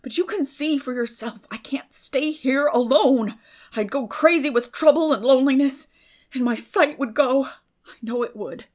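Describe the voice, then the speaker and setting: A woman's voice: sits high, moderate pace, darkish tone, voice pushed up. A woman voicing a weary, bitter older farm woman in an audiobook, speaking in plain rural phrases with sad resignation. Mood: tearful, desperate. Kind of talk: dramatic audiobook reading.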